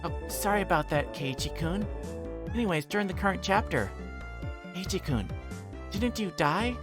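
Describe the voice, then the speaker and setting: Guy doing a friendly anime schoolgirl for a visual novel, high n lilting, music behind. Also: lively intonation, normal speed. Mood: teasing. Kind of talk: amateur visual novel character reading.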